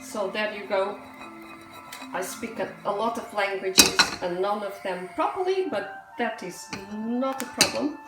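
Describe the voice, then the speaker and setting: A woman's voice: mid-range voice, a little slow. A woman from Portugal with a Portuguese accent, chatting casually through a home cooking demonstration, rambling into asides with frequent hesitations. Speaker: home cook. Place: home kitchen. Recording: echoey kitchen with music behind.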